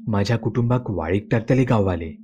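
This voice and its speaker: A man's voice: fairly low pitch, fairly quick, dark tone, highs cut off, slight background noise, natural voice. A man doing a helpless Malvani village peon. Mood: apologetic. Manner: apologetic, explaining.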